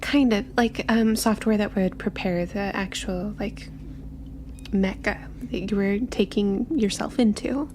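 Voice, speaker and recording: A woman playing a curious, confident young tinkerer in a tabletop game, chatting breezily in halting improvised phrases. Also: mid-range voice, steady tone, background noise, close to an everyday voice. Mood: curious, absorbed. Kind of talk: improvised tabletop roleplay, casual.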